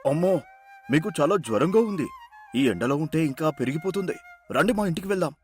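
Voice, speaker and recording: A man's voice: a little high, lively intonation, brisk, darkish tone, faint music behind, natural voice. A man voicing a kindhearted, earnest village thief in an acted moral story. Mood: alarmed concern. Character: kindhearted village thief, orphaned, plain-spoken and caring. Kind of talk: story voice acting.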